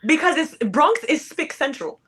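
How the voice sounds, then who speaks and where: A woman's voice: sits high, sing-song, normal speed, crowd noise. A woman from New York, a podcast guest in casual chat, teasing and laughing.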